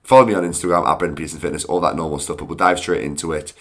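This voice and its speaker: A man with a croaky, hay-fever-hoarse voice and creaky starts, introducing a podcast casually as its host. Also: extremely low pitch, steady tone, rapid-fire, fairly bright tone.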